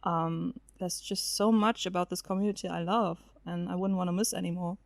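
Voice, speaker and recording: A woman whose first language is German, chatting as a podcast guest, laughing often and pausing with lots of fillers. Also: lowish voice, steady tone, no echo. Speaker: featured guest. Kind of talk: casual podcast interview.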